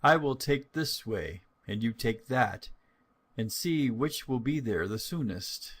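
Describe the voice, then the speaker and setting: A man voicing a large, hungry, wicked wolf who speaks slowly and slyly, with a falsely gentle tone, in a storybook reading. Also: mid-range voice, expressive, slightly rough, heavily acted. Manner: slow, sly, falsely gentle.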